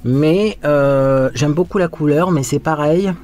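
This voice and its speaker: This makeup vlogger has a slightly high, slightly mellow male voice and speaks slowly, with faint music behind him. In chatty, frank get-ready-with-me style, he narrates applying his makeup and thinks aloud often.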